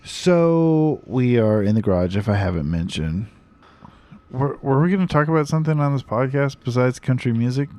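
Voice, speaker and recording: A man's voice: medium pitch, lively intonation, moderate pace, warm tone, no echo. Playful man chatting in a garage. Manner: playful, riffs on accents and voices. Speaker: podcast co-host. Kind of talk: casual chat.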